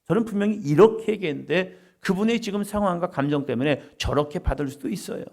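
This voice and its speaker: A male pastor giving a gentle, conversational sermon at a daily prayer meeting, with frequent rhetorical asides to the congregation. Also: high-pitched, expressive, fast, vocal fry.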